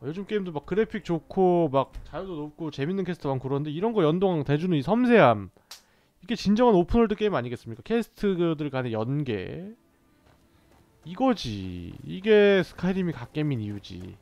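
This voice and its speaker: A man's voice: fairly high pitch, very animated, a little fast, a little mellow, dry recording. A man giving casual let's-play commentary as a gaming streamer, joking and bantering with the characters on screen, recorded on a dull lo-fi mic.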